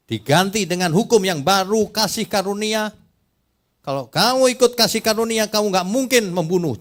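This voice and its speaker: A middle-aged male pastor from Indonesia preaches with a lively, swooping delivery and a fairly high voice for a man. He teases his congregation with rhetorical questions. He slips into playful higher voices to act out the people he quotes. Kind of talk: sermon.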